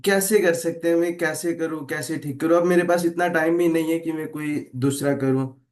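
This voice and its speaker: Young man in his twenties, slightly high voice, halting participant sharing his story. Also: steady tone, darkish tone. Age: 20s. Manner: hesitant, searching for words. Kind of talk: casual personal sharing.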